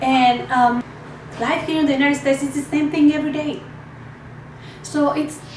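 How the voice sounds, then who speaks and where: A high-pitched woman with a Spanish accent speaks in a monotone, flat way with long, frequent pauses over noticeable background noise. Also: moderate pace. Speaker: vlogger. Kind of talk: casual monologue vlog.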